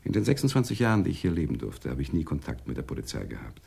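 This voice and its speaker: An actor playing a polite, evasive Arab businessman in a radio drama, speaking in a measured, musing, formal way. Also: rumbling low, wildly swooping pitch, gravelly, darkish tone, husky, exaggerated voice. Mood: polite, firm.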